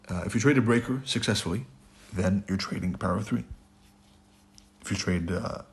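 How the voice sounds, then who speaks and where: A man with a raspy, hoarse voice teaching a trading lesson over slides, blunt and repetitive, often checking in with "right?". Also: low voice. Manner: blunt, repeats "right?" and "it's your fault". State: hoarse, sore throat. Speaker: trading instructor.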